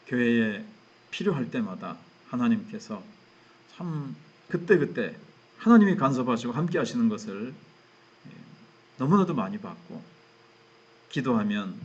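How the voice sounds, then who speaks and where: A man's voice: medium pitch, darkish tone, breathy edge. A middle-aged man preaching a midweek sermon as pastor, explaining scripture in a conversational way and acting out the characters' thoughts. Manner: conversational, acts out biblical characters' inner thoughts. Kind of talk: expository sermon at midweek prayer service. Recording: dull lo-fi church recording.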